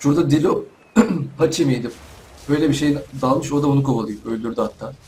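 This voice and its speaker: A man's voice: mid-range voice, fast, a little mellow, slight background noise. A young man giving casual let's play commentary from home, chatting to himself and the animals in the game. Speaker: gaming YouTuber.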